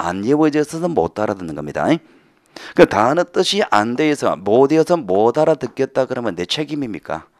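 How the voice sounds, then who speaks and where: An animated voice with very wide pitch swings, dry and close with no echo, on a very clean recording with a silent background. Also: man. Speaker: exam prep lecturer. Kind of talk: lecture. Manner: fast.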